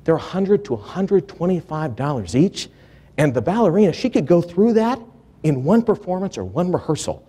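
Animated man giving a keynote speech. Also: on the high side, moderate pace, slightly rough. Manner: animated, gesturing, acts out the people in his stories. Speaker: keynote speaker. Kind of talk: live keynote speech with storytelling. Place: large hotel ballroom, indoors.

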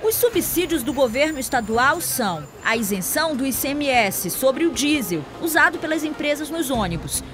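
A woman news reporter with a Brazilian Portuguese accent from Amazonas, reading a scripted voice-over in a measured, informative way. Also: high-pitched, big pitch swings, a bit bright, slight background noise. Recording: voice-over with background music.

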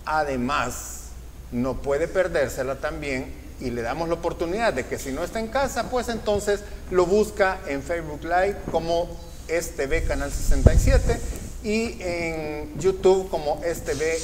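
A man's voice: a little high, expressive, measured pace, big-room sound, noisy background. A middle-aged man hosting a political TV interview show, announcing the channel and schedule in a promotional, repetitive way. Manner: promotional, repeats schedule details. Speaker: TV interview host. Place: TV studio.

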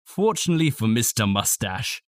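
A young man narrating a children's storybook in a playful, expressive way, close on the mic. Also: medium pitch, a little fast, no echo. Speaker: children's audiobook narrator, voice actor.

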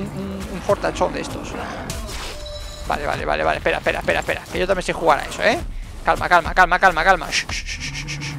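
Brief: high-pitched man with a gravelly edge, calling out gameplay in excited repeated bursts, faint game noise behind. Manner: excitable, repeats words in rapid bursts, talks to himself. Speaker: gaming YouTuber. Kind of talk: live gameplay commentary.

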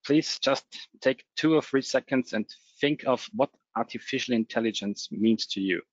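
A man giving a technical webinar presentation, relaxed and full of fillers. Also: mid-range voice, moderate pace, no room sound, dull audio. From Austria. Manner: relaxed, many fillers and restarts.

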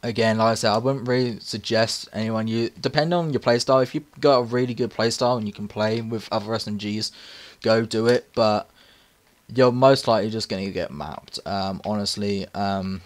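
A hoarse, raspy man narrating casual gameplay tips over footage, rambling with many fillers. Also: fairly low pitch, fairly even intonation, moderate pace. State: hoarse from repeated takes. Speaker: gaming channel host.

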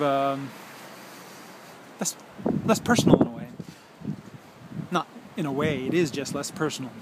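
A man in his forties with a slightly high-pitched voice muses aloud in a casual, halting ramble. He is recorded on a handheld phone, with very loud outdoor noise around the voice. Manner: musing, halting, drifting between thoughts. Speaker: video blogger. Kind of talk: casual rambling monologue to camera. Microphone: handheld smartphone at arm's length.

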